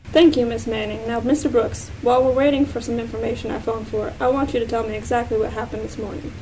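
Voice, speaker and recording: A woman's voice: a little high, fairly even intonation, fast, mellow, close to an everyday voice, poor audio. A woman playing a composed, probing police inspector in an amateur radio-style mystery. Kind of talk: amateur radio-play acting. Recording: faint background noise.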